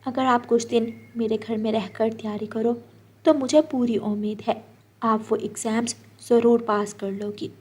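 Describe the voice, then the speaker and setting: A woman's voice: on the high side, little pitch movement, unhurried, darkish tone, slightly rough. A woman voicing a generous, reassuring aunt bird in a cartoon story. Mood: encouraging.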